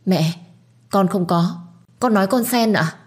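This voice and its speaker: A woman's voice: medium pitch, a little slow, a little mellow, voice pushed up, natural voice. A woman voicing a scheming young daughter-in-law who argues defensively and then begs in an audio story. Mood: pleading. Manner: pleading, defensive. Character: scheming young wife of the eldest son, defensive.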